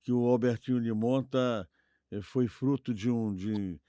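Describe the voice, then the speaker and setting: A man with a Brazilian accent co-hosting a podcast, offering opinions conversationally and rephrasing haltingly as he thinks aloud. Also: medium pitch, mellow, no echo, studio quality. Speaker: podcast co-host. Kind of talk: conversational commentary, giving opinions.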